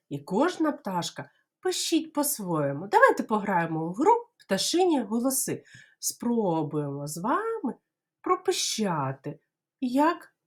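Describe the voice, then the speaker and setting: Using a medium-pitched voice, a Ukrainian woman leads a speech lesson for little kindergarten children. She breaks words into slow, exaggerated syllables so they can pronounce them clearly, and throws in playful bird-call imitations.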